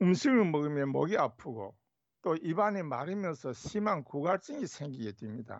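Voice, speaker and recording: Against a quiet background, a man with a fairly high voice speaks at a moderate pace, his pitch swinging very widely. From North Korea. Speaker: traditional medicine doctor. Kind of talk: interview. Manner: formal.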